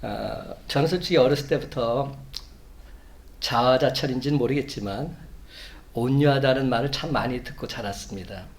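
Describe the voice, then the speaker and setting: A man preaching a Sunday sermon as a pastor, measured, building to emphatic peaks. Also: mid-range voice. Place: church sanctuary.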